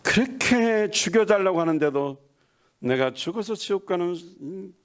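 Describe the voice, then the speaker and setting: A man's voice: sits high, lively intonation, normal speed, smooth. A middle-aged male pastor preaching a sermon, acting out quoted lines and asking questions of the congregation.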